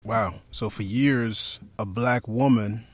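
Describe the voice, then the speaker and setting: A man hosting a podcast and interviewing a guest in a calm, thoughtful way. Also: fairly low pitch, slow, dry recording, studio quality. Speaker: podcast host.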